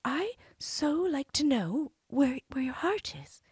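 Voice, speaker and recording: A woman's voice: sits high, sing-song, slow pace, dry recording, studio quality, pitched above the performer's own voice, heavily acted. A woman doing a sweet wheedling princess. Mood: coaxing. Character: young princess, coaxing and cunning.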